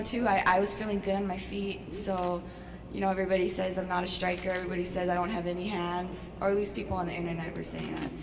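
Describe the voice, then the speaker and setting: A young woman fighter with a voice gone hoarse, answering press questions in a casual, upbeat way. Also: medium pitch. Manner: casual, upbeat, laughs often. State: losing her voice. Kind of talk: post-fight press interview. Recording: noisy long-reverb hall.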